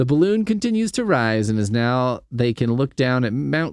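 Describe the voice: Someone does plain reading aloud.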